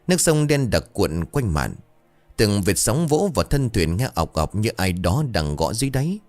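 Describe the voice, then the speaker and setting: A man's voice: lowish voice, sing-song, normal speed, a little mellow. A man narrating a horror story in a dramatic, suspenseful way.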